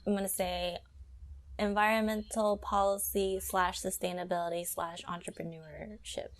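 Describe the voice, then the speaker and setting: A woman's voice: medium pitch, flat delivery, normal speed. A woman co-hosting a podcast, speaking in an upbeat, conversational way as she introduces the show and guest. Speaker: podcast co-host, health scientist.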